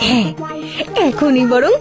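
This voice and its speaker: A woman's voice: high-pitched, slow. A woman voicing a naive, chatty village farmer's wife in a cartoon. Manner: naive, matter-of-fact, chatty. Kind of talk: cartoon voice acting. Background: background music.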